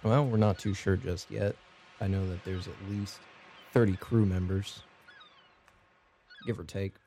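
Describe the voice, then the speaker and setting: A man's voice: low-pitched, steady tone, a little slow, mellow, a little hiss or hum. A man voicing a stern, curt recruiter dressed in black garb in a tabletop game.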